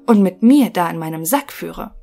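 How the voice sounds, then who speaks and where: A woman's voice: lowish voice, animated, moderate pace, creaky, mellow. A woman voicing a proud young male turner in a fairy tale audiobook, speaking firmly and confidently. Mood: boastful.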